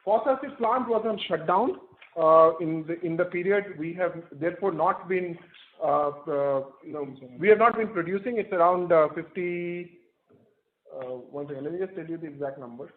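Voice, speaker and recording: A man with an Indian accent answering earnings-call questions as an executive, haltingly working through figures and correcting himself over a phone line. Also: fairly high pitch. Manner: halting, self-correcting while citing figures. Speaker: company executive. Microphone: telephone conference line. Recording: muffled, band-limited conference phone call.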